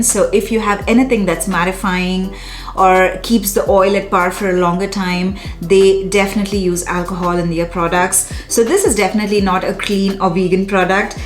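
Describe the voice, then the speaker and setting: Chatty woman vlogger in an echoey room. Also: mid-range voice. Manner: chatty, effusive, self-correcting. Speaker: beauty vlogger. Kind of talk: casual product review to camera. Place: small bright room indoors.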